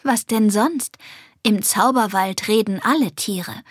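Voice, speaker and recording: A woman's voice: medium pitch, takes it slowly, slightly rough, no room sound, clean studio sound. A woman doing a purring cheeky magic creature. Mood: playful. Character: playful purring butterfly-puppy creature.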